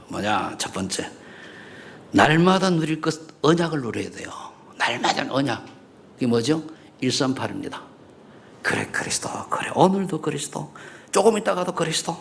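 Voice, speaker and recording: A middle-aged pastor preaches to his congregation in a church, throwing out loud rising questions and then dropping to murmured asides. His voice sits high and has a gravelly edge. His pitch leaps and falls widely as he presses his points. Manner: asks the congregation questions and banters with them. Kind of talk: sermon. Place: church sanctuary.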